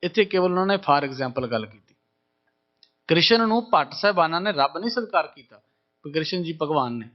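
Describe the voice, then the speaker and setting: A man delivers a religious sermon, his voice sitting a little high for a man. He explains scripture in a plain teaching way and slows down to chant verses. The sound is dull and lo-fi, like a TV broadcast. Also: expressive. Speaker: Sikh preacher.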